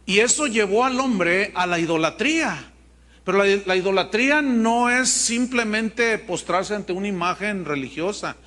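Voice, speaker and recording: A man's voice: sits high, moderate pace. A man preaching a sermon as pastor, telling stories and acting out the quoted dialogue. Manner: animated storytelling, acts out dialogue in quoted voices.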